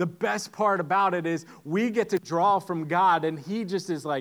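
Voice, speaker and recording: At a moderate pace, a man with a Pennsylvania accent speaks at a high pitch with ordinary pitch variation. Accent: Pennsylvania American, non-Maine. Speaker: guest preacher. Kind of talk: sermon. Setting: church. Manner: friendly, joking.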